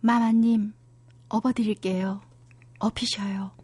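A woman's voice: fairly high pitch, unhurried, darkish tone, husky, no echo. A woman playing an earnest, devoted young court lady in a historical drama skit. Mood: pleading, tearful.

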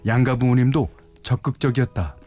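A man hosting a radio show, relaxed and chatty, often chuckling as he reads listener messages and narrates a story. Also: medium pitch, brisk, faint music behind. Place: radio studio. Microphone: studio microphone.

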